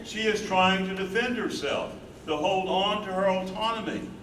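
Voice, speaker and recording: A man's voice: sits high, normal speed, far from the mic, lightly acted. A man playing an earnest, grieving older husband who cares for his wife, in a dramatic staged play reading. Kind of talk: staged play reading, first-person narration. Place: live staged reading in echoey room. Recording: roomy, noisy stage recording from afar.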